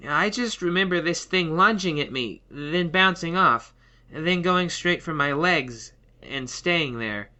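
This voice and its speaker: A woman's voice: lowish voice, lively intonation, measured pace, bright, forceful tone. A woman playing a timid, earnest, hesitant crafter in an audio comedy drama. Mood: unsure, earnest. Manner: hesitant, nervous. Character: timid, anxious, earnest crafter named Tristan. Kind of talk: audio fiction comedy acting. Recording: dull, band-limited microphone sound.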